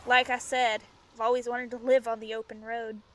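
A woman's voice: on the high side, level tone, normal speed, fairly bright tone, a little hiss or hum, close to an everyday voice. A woman playing a trusting, loyal young student in an audio drama, speaking in an earnest, reassuring way. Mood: casual, earnest.

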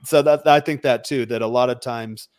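A man, a dating coach and podcast guest, explains his methods in a measured, lecturing way. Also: medium pitch, steady tone, a little mellow, clean tone, no room sound, studio quality. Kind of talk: podcast conversation.

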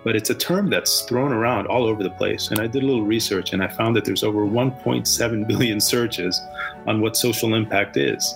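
A man's voice: lowish voice, brisk, vocal fry, faint music behind. A man in his early fifties, born in Argentina and raised in the US, talking as a guest in a podcast interview with lots of restarts. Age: 50s. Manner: rambling, many restarts and fillers. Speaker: guest, social impact founder.

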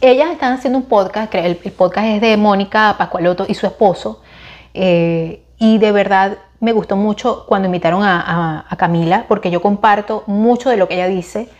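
A woman in her forties with a Venezuelan accent talks casually to the camera and shares her opinions. Her voice sits in a middle pitch range. She speaks in a chatty, expressive way, often restarting her sentences. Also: moderate pace, highs cut off. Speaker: vlogger recommending series and films.

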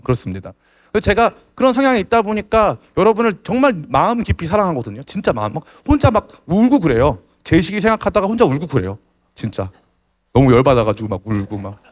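A male pastor preaching a sermon to a youth congregation, emphatic and animated, with playful asides. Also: high-pitched.

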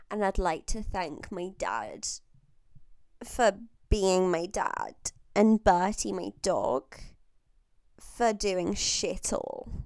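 A young Australian woman hosting her podcast alone, talking in a low, chatty voice. She mocks herself and swears freely as she gets over a chest infection. The sound is close and dry, with no room around it. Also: a little mellow, no echo. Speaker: podcast host. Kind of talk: casual solo podcast chat.

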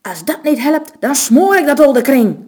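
A woman with a Low voicing a brutal, hot-tempered male bandit who shouts harsh threats. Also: very animated, a little slow. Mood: raging.

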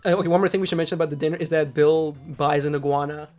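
Animated man recapping an episode. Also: fairly high pitch, rapid-fire. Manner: animated, laughing, acts out quoted lines. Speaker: podcast co-host. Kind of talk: casual chat recapping a cartoon episode.

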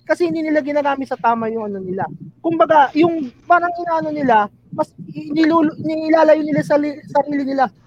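A man's voice: very high-pitched, fast talker, dry recording, muffled recording. A man in a casual talk show, speaking earnestly and calling the others "sir". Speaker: show regular. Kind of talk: casual chat.

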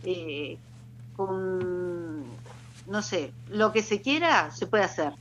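A woman, a pharmacist guest on a radio show, talking in an unhurried, hesitant way with fillers. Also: fairly low pitch, lively intonation, fairly bright tone, muffled recording, a little hiss or hum. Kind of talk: casual radio chat.

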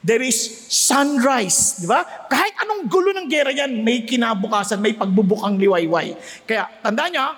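A man with a Filipino accent preaching a sermon, animated and joking with the congregation as he moves between Tagalog and English. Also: extremely high pitch, fairly quick. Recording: long hall reverb.

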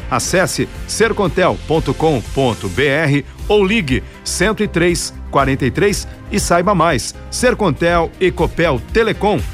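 A man's voice: a little high, animated, measured pace, few pauses, faint music behind. A Brazilian man, a radio host, reading a hard-sell advertisement with emphatic, pushy sales delivery.

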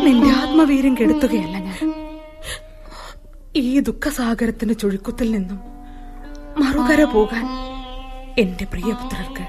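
A woman's voice: fairly high pitch, lightly acted. A woman with a Malayali accent, playing Kunti, a stern and proud royal queen mother, in a solemn, declamatory radio play delivery. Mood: firm. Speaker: radio drama actor. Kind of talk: 1970s-style radio drama acting.

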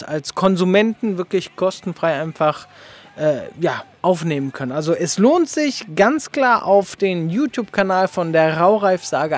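A man hosting a podcast in a casual chatty style, speaking haltingly and often checking for agreement. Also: high voice. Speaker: podcast host. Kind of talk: casual interview chat.

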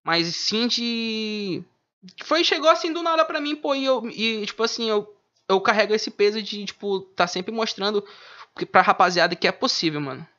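A man's voice: sits high, expressive, moderate pace, sharp tone. Slangy man. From Manaus, Brazil. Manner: slangy, laid-back street talk. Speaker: rapper guest. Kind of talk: casual interview chat. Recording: dull lo-fi audio.

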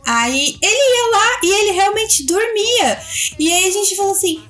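A Brazilian woman tells stories in a breezy podcast chat, often restarting her sentences as she goes. Her voice sits high for a woman. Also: lively intonation, a bit bright. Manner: chatty storyteller, quick restarts. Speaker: podcast co-host.

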